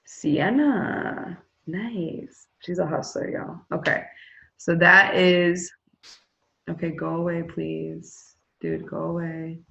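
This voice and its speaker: A woman's voice: fairly low pitch, fairly even intonation, takes it slowly, creaky, bright, forceful tone, dull audio. A woman leading a team meeting on a video call, chatty and upbeat as she hypes up sales goals and runs prize drawings. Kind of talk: casual enthusiastic pep talk on a video call.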